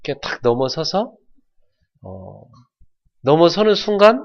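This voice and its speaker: A middle-aged man from North Jeolla preaching a sermon as pastor, telling folksy stories and shouting out imitations. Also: on the high side, big pitch swings, measured pace, vocal fry, dull audio. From North Jeolla, South Korea.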